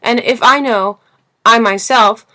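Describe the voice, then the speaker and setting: A woman's voice: fairly high pitch, takes it slowly, sharp tone, voice pushed up. A woman voicing an earnest, passionate little boy prince in a storybook reading, speaking insistently and emphatically. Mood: furious, insistent. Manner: insistent, emphatic, rhetorical questioning. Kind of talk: storybook character voice in audiobook reading.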